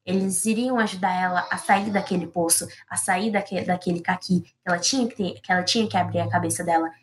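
A woman's voice: lowish voice, steady tone, fast talker, a little hiss or hum. A woman improvising a children's story, playful and rambling with asides.

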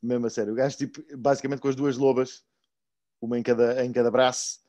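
A man's voice: mid-range voice, little pitch movement, fast talker, dark tone, dry recording. Casual young man, dry close sound. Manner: slangy, peppered with English words and swearing. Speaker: wrestling podcast co-host. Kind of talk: casual chat.

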